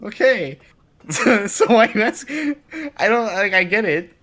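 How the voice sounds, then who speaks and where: A man's voice: sits high, sing-song, slow, pushed and bright. A man playing a tabletop roleplay game, bantering playfully and casually, often repeating his phrases.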